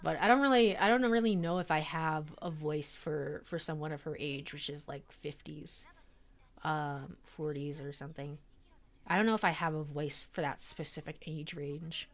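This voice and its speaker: A woman's voice: deep voice, normal speed. A woman streaming a visual novel, reading it aloud with casual, giggly commentary full of "like" and "um". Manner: chatty, giggly, lots of "like" and "um". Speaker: streamer and let's-player.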